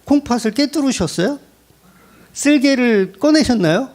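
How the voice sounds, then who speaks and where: Lively, high-voiced preaching man. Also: moderate pace. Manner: animated, acts out quoted speech with rhetorical questions. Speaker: pastor. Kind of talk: sermon.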